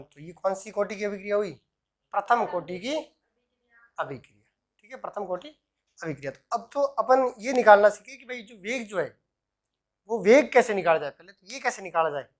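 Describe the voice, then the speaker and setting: A male chemistry teacher working through examples, asking himself questions and answering them, and dictating formulas slowly piece by piece. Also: sits high, lively intonation. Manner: answers own questions, repeats "ठीक है" often. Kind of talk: explaining worked examples at a board.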